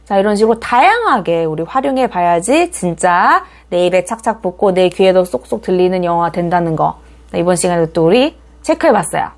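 Animated woman English teacher. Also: lowish voice. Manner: lively explaining, repeats English example phrases slowly. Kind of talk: online English lesson.

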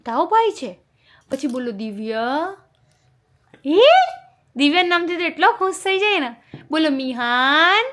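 A young mother with a fairly high voice coaxes her little one in playful sing-song baby talk. She chats casually at home, drawing out words to get the child to repeat them. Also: lively intonation, unhurried, pauses often, fairly bright tone. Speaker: mother and family vlogger. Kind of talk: casual family chat with a toddler.

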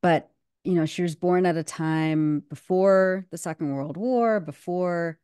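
A woman's voice: lowish voice, measured pace, dark tone, clear, resonant tone, no echo, clean studio sound. A woman in her thirties, a guest commentator, speaking emphatically over a video call and using plenty of fillers. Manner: fluent and emphatic, with many fillers. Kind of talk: casual video-call discussion. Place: home room on a video call.

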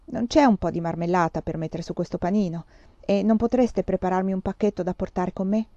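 A woman's voice: on the low side, a little fast, mellow, dry recording, natural voice. Woman doing a hunted young man, urgent, boastful, raised voice, dry dull audiobook sound. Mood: excited. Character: desperate fugitive young southern man.

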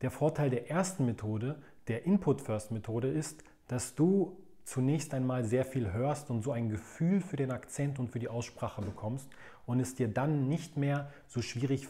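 Mellow-voiced man explaining methodically. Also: mid-range voice. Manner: methodical, step-by-step explaining with small restarts. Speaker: language learning coach. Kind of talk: explanatory video lesson.

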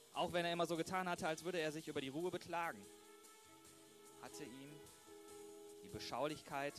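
A man's voice: on the high side, lightly acted. A man playing the solemn narrator of a crime radio play.

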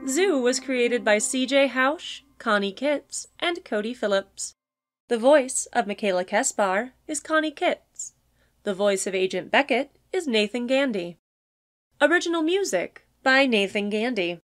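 A woman's voice: fairly high pitch, expressive, measured pace, dry recording, studio quality. A woman reading scripted credits as an announcer. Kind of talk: scripted narration.

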